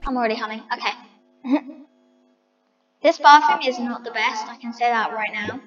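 A woman's voice: fairly high pitch, moderate pace, long reverb tail, highs cut off, faint music behind. A woman chatting to her viewers as she decorates a house in a game, thinking aloud. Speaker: vlogger. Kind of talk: casual game commentary.

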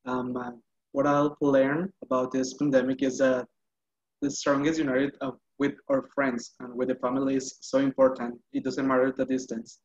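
A young man from Mexico introduces himself, pausing with fillers. His pitch is middling. The sound is dull, as from a video call. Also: creaky, husky. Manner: hesitant, with fillers. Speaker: workshop participant. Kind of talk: casual self-introduction. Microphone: laptop video call. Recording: muffled video call audio.

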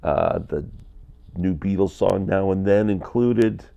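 Low, mellow-toned man in his fifties, congested with a cold, candid basement vlogger on an earbud mic. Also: slow, creaky, highs cut off. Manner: chatty, candid, gestures a lot with hands. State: stuffy from a cold. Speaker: vinyl collector vlogger. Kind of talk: casual rambling vlog. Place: basement room, indoors, small.

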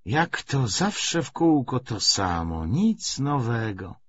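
A man's voice: mid-range voice, big pitch swings, slow pace, fairly bright tone, highs cut off. A man voicing a world-weary, resigned woman in a wartime audiobook. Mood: weary resignation.

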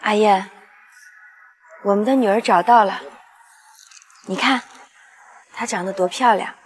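A tender middle-aged widow played by an actress speaks reflectively at a graveside in a screen drama. Her voice sits at a medium pitch, with faint outdoor noise behind it. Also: unhurried, natural voice. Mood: tender, wistful. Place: outdoors in a wooded park.

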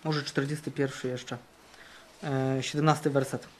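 A man preaching a fervent sermon at a Christian camp, repeating phrases for emphasis and swinging between loud declarations and hushed passages. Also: medium pitch, level tone, unhurried, a little hiss or hum. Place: camp meeting.

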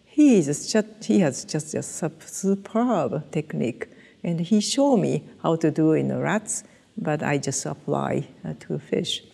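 A woman's voice: low voice, lively intonation, a little slow, gravelly, mellow, breathy edge, big-room sound. An older woman with a Japanese accent, speaking English as a second language in an oral history interview, hesitant with many fillers and restarts, recorded on a headset mic in a studio. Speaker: interviewee, physiologist. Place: dark studio set, indoors.

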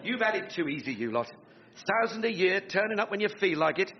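An actor playing a pompous, bossy would-be Prime Minister with an English accent, blustering colloquially in a radio sitcom. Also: male voice, high voice, sing-song, brisk. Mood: indignant. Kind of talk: radio sitcom acting before an audience. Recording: muffled, with studio audience laughter.

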